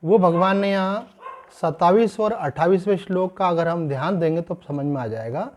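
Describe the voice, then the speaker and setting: Swami guy, fairly high voice, calm teaching tone, drops in english words and slows down on the big points. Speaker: swami giving a scripture discourse. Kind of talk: sermon.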